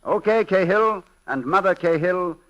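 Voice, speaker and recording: A man hosting a 1940s radio show, reading letters in a brisk, jokey announcer's delivery. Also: sits high, muffled recording.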